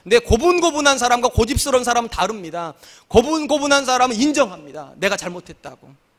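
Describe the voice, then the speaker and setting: A man's voice: extremely high pitch, sing-song, fast talker, a bit bright. A man in his forties, a senior pastor, preaching a sermon in a humorous, conversational way with acted quotes. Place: church sanctuary.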